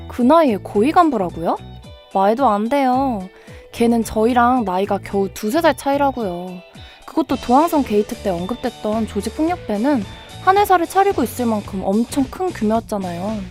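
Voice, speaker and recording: A woman's voice: fairly high pitch, expressive, moderate pace, darkish tone, lightly acted. A young woman playing a doubtful student who questions what she hears, in an audio drama with music behind. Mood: incredulous. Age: young adult. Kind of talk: audio drama acting, dialogue.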